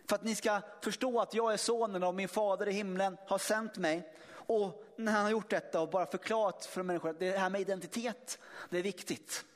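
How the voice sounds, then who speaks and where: Male preacher with a high voice giving an emphatic sermon in a church hall with long reverb. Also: steady tone. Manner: emphatic, with many restarts and sudden swells in volume.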